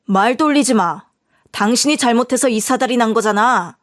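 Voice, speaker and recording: A woman's voice: on the high side, moderate pace, dry recording, studio quality, lightly acted. A woman voicing a stubborn, blaming husband in a told story, speaking in a curt, scolding manner. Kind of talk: storytelling dialogue.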